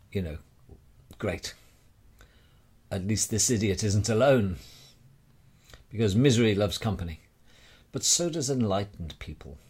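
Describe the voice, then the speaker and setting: A man delivering a rambling monologue straight to the listener in a wry, theatrical manner with deliberate dramatic pauses. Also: lowish voice, darkish tone, breathy edge. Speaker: speaker sharing personal views.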